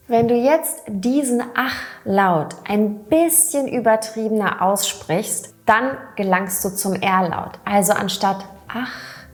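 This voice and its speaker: A woman teaching pronunciation, speaking in clear, carefully articulated scripted narration and demonstrating sounds and example words. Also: mid-range voice.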